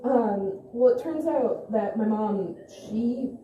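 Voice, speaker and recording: A woman playing an awkward, hesitant young amateur investigator who talks haltingly in a found-footage vlog. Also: a little high, dull audio, over music. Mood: hesitant, earnest. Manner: halting, hesitant, full of restarts. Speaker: video host and interviewer. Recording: roomy echo, faint noise, handheld camera.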